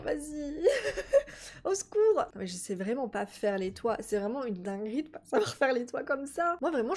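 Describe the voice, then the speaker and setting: A young woman with a slightly high voice gives casual gameplay commentary. She is chatty and excitable, talks straight to her viewers, and drops English words into her talk. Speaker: gaming video creator.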